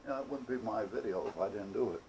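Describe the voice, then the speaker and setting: A man's voice: lowish voice, fast talker, darkish tone, a little hiss or hum, poor audio. A man chatting casually through a hands-on workshop project, rambling and muttering to himself with playful asides. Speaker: hobbyist maker hosting own workshop videos.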